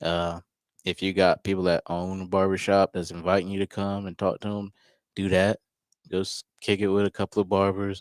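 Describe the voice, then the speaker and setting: A soft-spoken man with a very deep, low voice talks in a monotone, flat intonation on a very clean recording with a silent background and a dry, close sound with no echo. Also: moderate pace. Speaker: barber student and youth coach. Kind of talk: interview. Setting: podcast studio. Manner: soft-spoken, laid back.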